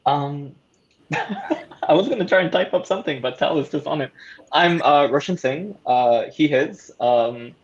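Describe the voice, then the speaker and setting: A man's voice: on the high side, a little slow. A man speaking informally and somewhat hesitantly as a panelist, recorded over a dull online call. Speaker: panelist, audio drama producer. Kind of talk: casual panel discussion.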